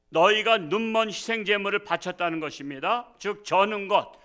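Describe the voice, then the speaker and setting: A man's voice: high-pitched, clear, resonant tone. A man preaching a sermon as pastor, leading scripture reading and pressing his point with rhetorical questions and acted-out voices. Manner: leads congregation in reading scripture aloud, then explains with rhetorical questions; acts out quoted voices with sudden loud raised lines.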